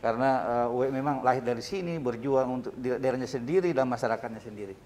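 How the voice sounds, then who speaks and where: A man's voice: medium pitch, fast, darkish tone. A man hosting an interview show, chatty and casual, with frequent short agreeing replies.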